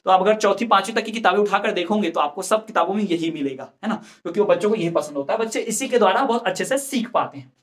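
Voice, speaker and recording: A man's voice: sits high, animated, fast talker, few pauses. A man teaching an exam-prep lesson, explaining patiently with examples and repeating key terms.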